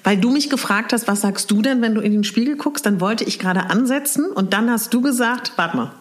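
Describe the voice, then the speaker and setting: A woman's voice: a little high, brisk. A woman co-hosting a podcast in casual chat, affirming her partner and steering the conversation. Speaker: podcast co-host.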